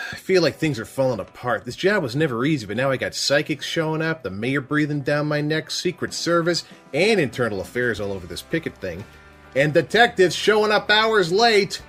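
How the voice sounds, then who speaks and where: A man's voice: on the high side, sing-song, normal speed, a bit bright, soft background music. Cranky, weary male police boss. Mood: weary, exasperated. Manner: weary, sarcastic grumbling. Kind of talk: audio drama acting.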